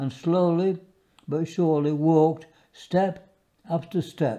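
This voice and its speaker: In a British accent, a man speaks very slowly with fairly even intonation. His tone is dark and mellow. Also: quiet background. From United Kingdom. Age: 80s+. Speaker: army veteran. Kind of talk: children's book reading. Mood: gentle, hopeful. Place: home room.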